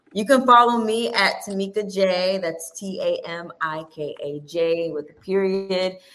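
A woman speaks in a plain, everyday voice at a medium pitch, with ordinary pitch variation. Her pace is fairly slow with hardly any pauses, and her loudness swings widely. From South Florida (North Miami), Haitian American. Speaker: singer-songwriter. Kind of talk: casual chat.

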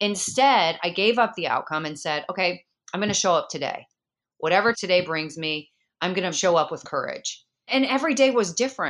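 Her voice sits at a medium pitch with lively intonation and a fairly quick pace, against a quiet background. The woman has an unremarkable speaking voice. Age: 50s. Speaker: model and breast cancer survivor. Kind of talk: testimony.

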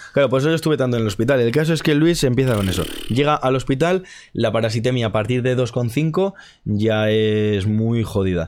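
In a very clean recording with a silent background, a man with a plain, everyday voice speaks at medium pitch and a fairly quick pace, his intonation lively and loudness very even. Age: 20s. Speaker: travel documentary YouTuber. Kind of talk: casual podcast conversation.

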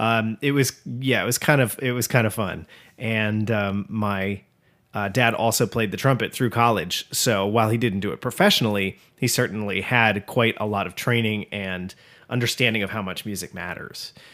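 A man with an American accent, fairly low in pitch, bright and sharp in tone, at a moderate pace with fairly even intonation, on a very clean recording with a silent background. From northern New Jersey, US. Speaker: music teacher and podcast co-host. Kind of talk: casual interview chat.

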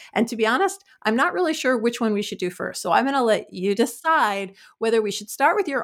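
In a normal speaking voice, a woman talks fairly quickly with an American accent and lively intonation. The recording is very clean, and the background is silent. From New York City (Queens). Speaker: podcast host, professor. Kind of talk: interview.

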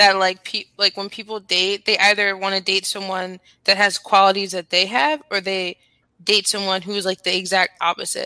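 In an American accent, a woman talks in a flat monotone with a bright, sharp tone, her sound dry and close with no echo in a very clean recording with a silent background. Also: medium pitch for a woman, moderate pace. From Philadelphia area. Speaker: podcast guest. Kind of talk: casual chat.

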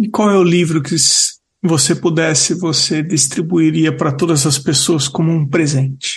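Speaking at a moderate pace, a man has an ordinary speaking voice, fairly high in pitch, with very even loudness and fairly even intonation. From Santo André, São Paulo, Brazil. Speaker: podcast host. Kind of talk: interview conversation.

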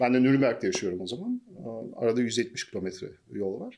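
His pitch leaps across a very wide range as this man speaks. He keeps a moderate tempo at a medium pitch. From Germany (Nuremberg area). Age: 40s. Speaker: startup CEO. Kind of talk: interview.

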